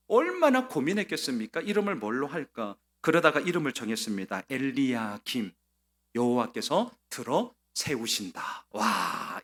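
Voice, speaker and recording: A male pastor preaching a Sunday sermon in an animated, emphatic way, asking the listeners rhetorical questions. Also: fairly high pitch.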